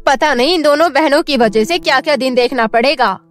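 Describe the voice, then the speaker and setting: Woman doing a high shrill nagging stepmom, cartoon, soft music behind. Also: a little fast, natural voice. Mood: scolding. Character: scolding mean stepmother, middle-aged woman. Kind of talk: cartoon voice acting.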